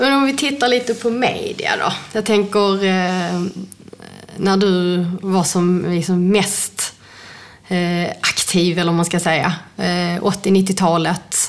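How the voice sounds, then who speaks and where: The woman's voice sits at medium pitch with ordinary variation. She speaks very slowly, her loudness very even. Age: 40s. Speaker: podcast host, journalist. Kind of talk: interview conversation. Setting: studio in total darkness.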